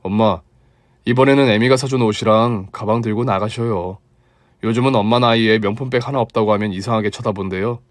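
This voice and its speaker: A man voicing a mild grown son who coaxes his mother gently. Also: lowish voice, brisk, no echo, voice pushed down, lightly acted. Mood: coaxing.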